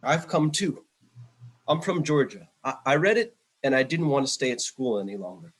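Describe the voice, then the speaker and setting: A man reading the part of an eager, excitable student boy in a stage play over a video call. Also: medium pitch, moderate pace, breathy edge. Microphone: video call microphone.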